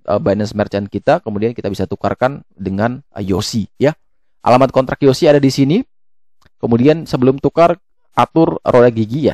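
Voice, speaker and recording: Guy doing a casual explainer vid, mellow voice, kinda halting w lots of hesitations, mid pitch, dry sound. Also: no echo. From Indonesia. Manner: halting, with frequent hesitations and self-corrections. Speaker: YouTube host explaining crypto tokens. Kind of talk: casual explainer, walking through a web page.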